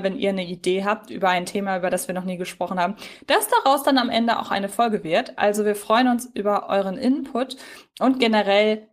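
A woman from Germany speaks as a podcast co-host. Her voice sits at a medium pitch, and she talks in a casual, chatty style.

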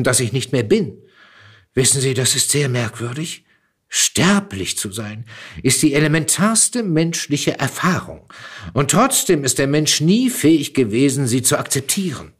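A man's voice: a little high, husky, pitched above the performer's own voice, heavily acted. A man voicing a proud dead old poet in a literary reading, lecturing in an emphatic, declamatory way. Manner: declamatory, insistent.

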